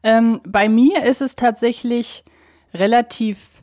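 A woman's voice: a little high, steady tone, slow, darkish tone. A German woman co-hosting a casual fan podcast, talking in a reflective, conversational way. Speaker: podcast co-host.

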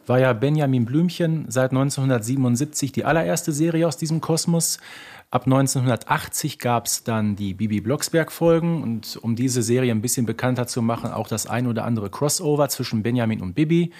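A man with a medium-pitched voice co-hosts a casual fan podcast. He sounds matter-of-fact, laying out details precisely in an informal, conversational way. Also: brisk, darkish tone. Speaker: podcast co-host.

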